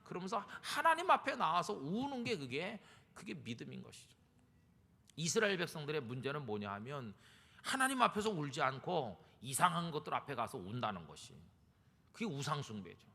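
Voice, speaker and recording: Gravelly pastor preaching in echoing church. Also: male voice, a little high, very animated, a little fast, sharp tone. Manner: emphatic, rising to fervent appeals. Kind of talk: sermon. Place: church sanctuary. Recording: long church reverb.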